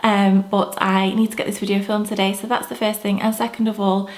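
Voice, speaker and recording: A young woman beauty vlogger talks to her camera mic in a casual makeup review, chatty and gushing with rambling asides. Her mid-range voice is level and brisk, though a cold leaves it a bit stuffy.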